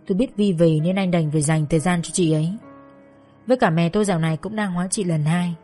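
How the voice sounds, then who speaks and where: A young woman narrates her own story in a steady, confessional way. Her voice sits a little low and sounds mellow and warm, with faint music playing behind it. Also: fast talker. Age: young adult. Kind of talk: first-person story narration.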